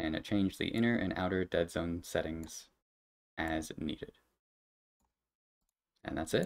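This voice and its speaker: Quiet and fairly slow, a man talks in a very deep, low pitch with fairly even intonation and long, frequent pauses. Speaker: speedrunner. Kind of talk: video game tutorial narration. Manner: quiet, subdued.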